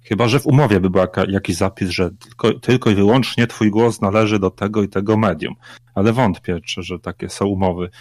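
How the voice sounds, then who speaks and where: Man, low voice, blunt, grumbling, dry recording. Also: fairly even intonation, a little fast, a little mellow, dry recording. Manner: blunt, irritated complaints. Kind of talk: casual chat. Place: lives in the UK.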